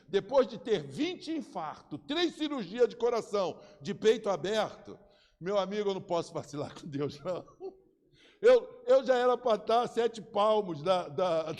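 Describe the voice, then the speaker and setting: A Brazilian man in his fifties with a Brazilian Portuguese accent, preaching with humor and playfully acting out other voices. His voice is high and swings widely in pitch. It rings with long reverb, as in a large church hall. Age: 50s. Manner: animated storytelling, joking, acting out voices. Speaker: pastor. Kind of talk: sermon.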